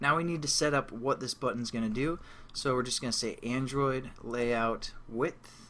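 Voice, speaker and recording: Bright and sharp in tone, a man's medium-pitched voice holds a fairly even intonation. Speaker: programming tutorial instructor. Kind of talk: screen-recorded coding tutorial. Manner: fast; casual.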